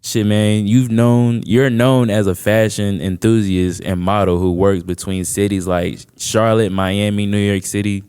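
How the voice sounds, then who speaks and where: A man's voice: on the low side, steady tone, measured pace, hardly any pauses, a little mellow, smooth, no echo, clean studio sound. A man co-hosting a casual podcast, talking in a laid-back, slangy way and peppering his talk with bro and you feel me. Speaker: podcast co-host.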